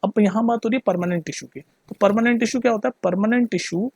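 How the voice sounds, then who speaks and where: Brief: male tutor, high and husky voice, chatty, keeps asking if you follow. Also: fast, a little mellow, dry recording. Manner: chatty, keeps checking the listener understands; mixes Hindi with English terms. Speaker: teacher. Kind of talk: casual classroom explanation.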